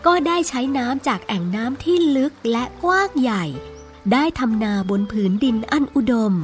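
A woman tells a scripted story for small children. Her voice sits fairly high and moves in lively, sweeping melody. Soft music plays faintly behind her. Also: normal speed. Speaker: storyteller, narrator.

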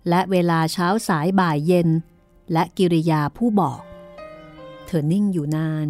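Mellow woman narrating a story. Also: fairly low pitch, unhurried, no room sound, soft background music.

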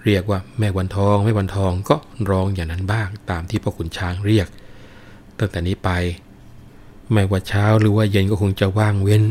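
A grieving young wife from an old folk tale, speaking in a lamenting, pleading way, as a man voices her. The voice is very low and deep. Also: level tone, fairly quick, darkish tone, a little hiss or hum, close to an everyday voice.

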